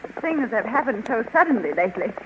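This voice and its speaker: A proud queen with an animated, dramatic delivery. She speaks formally and with command in a 1930s radio serial, under clear hiss. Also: on the high side, quick pace. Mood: worried. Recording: noisy, muffled 1935 radio recording.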